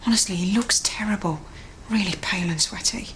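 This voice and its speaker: An actress playing a concerned, helpful surgery receptionist with a British accent in a naturalistic TV drama. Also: female voice, mid-range voice, brisk, a bit bright, a little hiss or hum, natural voice, low-quality recording. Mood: worried.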